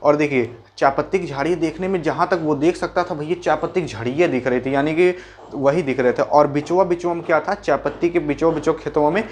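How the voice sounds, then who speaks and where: A man explaining a school chapter in a casual, folksy way, repeating key points as quick questions and answers. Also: on the high side, a little hiss or hum. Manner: folksy, calls listeners brother and mimics sounds. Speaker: teacher.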